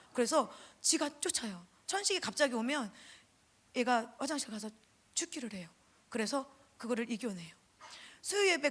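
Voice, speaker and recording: A high-pitched woman in middle age, speaking as a pastor's wife at a church revival. She tells her testimony in a lively storytelling way and slips into the voices of the people she quotes.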